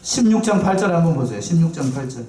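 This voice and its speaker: A man preaching a sermon as pastor, lively and playful, asking his congregation questions. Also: on the high side, fast talker. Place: church sanctuary. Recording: echoey church from far off.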